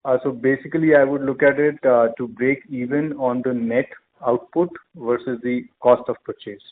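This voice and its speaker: A man with an Indian accent answering questions as a company executive on an earnings call, in a measured, hesitant, formal corporate way. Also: mid-range voice, fairly even intonation. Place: conference call. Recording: narrow phone line with clear noise.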